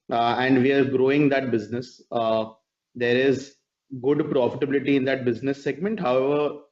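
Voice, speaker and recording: A man, a company executive, explaining business results on an earnings call in a measured, formal way. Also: mid-range voice, darkish tone. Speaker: company executive answering analysts. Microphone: conference call line. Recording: dull conference call audio.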